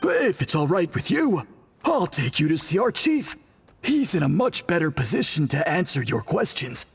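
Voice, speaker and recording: An actor playing a dutiful, courteous tribal priest in an anime game, speaking formally and earnestly with a husky voice. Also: male voice, fairly high pitch, big pitch swings, normal speed, soft background music.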